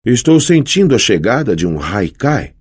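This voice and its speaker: A man's voice: medium pitch, big pitch swings, normal speed, darkish tone, slightly rough, voice pushed up. A man reading an audiobook, voicing a boastful, teasing young male sun god in a raised, showy voice. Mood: playful boastful. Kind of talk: audiobook character voice.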